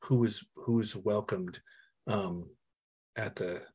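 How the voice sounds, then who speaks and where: A male interviewer asking a long question in a halting way, restarting and searching for words. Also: lowish voice, fairly even intonation, dark tone, breathy edge.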